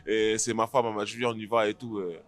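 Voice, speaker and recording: Homme hésitant à la voix grave. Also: male voice, fairly low pitch, fairly quick. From France. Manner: hesitant, many fillers and restarts. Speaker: MMA fighter, guest. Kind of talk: casual interview answers.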